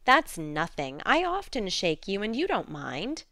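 Woman playing a plucky storybook girl, coaxing n sensible, clear voice, dry sound. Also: medium pitch, sing-song, moderate pace, a bit bright, dry recording. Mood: soothing, curious. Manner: soothing, frank. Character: spirited, coaxing teenage girl, bold and sensible. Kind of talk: storybook character dialogue.

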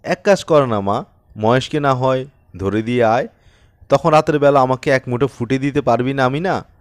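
A man voicing a poor, weary village farmer father who speaks in a soft, hushed, pleading way in an audiobook. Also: mid-range voice, moderate pace, natural voice. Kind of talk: audiobook character reading.

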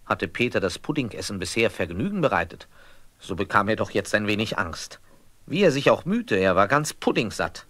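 Animated, low-voiced male storyteller. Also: moderate pace, dry recording. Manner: expressive storyteller. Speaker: narrator. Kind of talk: scripted children's story narration.

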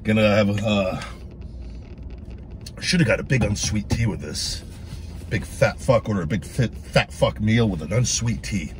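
A man's voice: lowish voice, normal speed, long pauses, a little hiss or hum. A middle-aged man vlogging a food review from inside his parked truck, swearing a lot and making fun of himself in a rambling way. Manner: crude, self-mocking, rambling. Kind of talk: casual profane car vlog.

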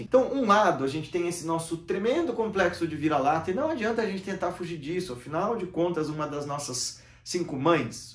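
Animated Brazilian man in a roomy room. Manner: expressive, gesturing, shifting volume and pitch often. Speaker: channel host. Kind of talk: animated philosophical monologue to camera. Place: small room with bookshelves, seated in armchair. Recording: roomy echo.

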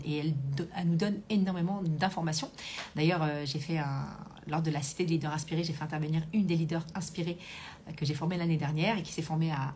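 A woman's voice: low-pitched, a little mellow, slight background noise. Chatty woman coach on a live stream. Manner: chatty, reads comments aloud, many fillers. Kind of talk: casual live stream chat and coaching talk. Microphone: Bluetooth hands-free earpiece.

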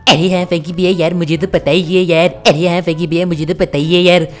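A man's voice: a little high, level tone, fast, soft background music, lightly acted. A man voicing a cheeky, pushy little boy who repeats every line twice, in a comic gameplay role-play. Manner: says every line twice, starts with "arre Franky bhaiya".

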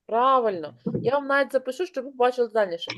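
A woman teacher leads an online lesson in a brisk, encouraging way. Her voice sits a little high, and she keeps calling on pupils by name. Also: expressive.

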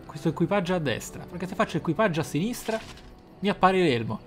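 A man giving casual, excitable playthrough commentary, often thinking aloud. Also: high-pitched, quick pace. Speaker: gaming channel host. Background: game music.

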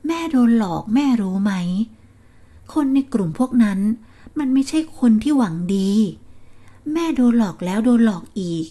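A woman's voice: fairly high pitch, lively intonation, normal speed, mellow. A woman voicing a grown son who sternly warns his mother that she has been cheated. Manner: stern, firm.

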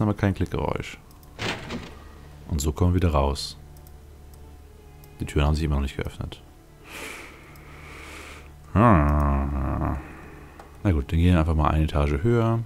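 A man's voice: extremely low pitch, gravelly, a little mellow. A man giving casual gameplay commentary, musing aloud to himself as he plays. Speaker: let's play host.

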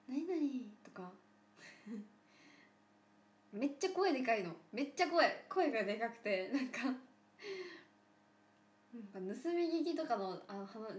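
A woman in her twenties hosting a casual livestream, speaking softly and often dropping to a near whisper, with playful drawn-out thank-yous to viewers. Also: medium pitch. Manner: soft-spoken, often drops to a near whisper. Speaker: idol livestream host. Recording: roomy room with faint hum.

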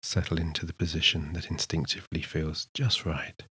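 Very deep-voiced man guiding sleep hypnosis. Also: level tone, bright, forceful tone, slightly rough, dry recording, studio quality. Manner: slow, soothing, measured delivery with pauses. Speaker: hypnotist, guided meditation narrator. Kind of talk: scripted sleep hypnosis, soothing guided relaxation.

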